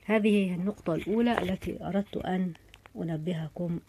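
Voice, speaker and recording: A woman teaching an Arabic grammar lesson, explaining step by step and saying example words slowly and carefully, with frequent hesitations. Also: fairly low pitch, background noise. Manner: methodical, says example verb forms slowly and carefully.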